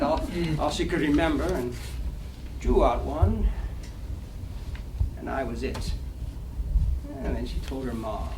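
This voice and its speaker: A man's voice: fairly high pitch, close to an everyday voice. A man acting a boastful middle-aged small-time Broadway gambler in a dramatic stage reading, slangy, chuckling and garrulous. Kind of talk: dramatic stage reading of 1920s American play. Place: library reading room, live reading. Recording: roomy, distant, faintly noisy live recording.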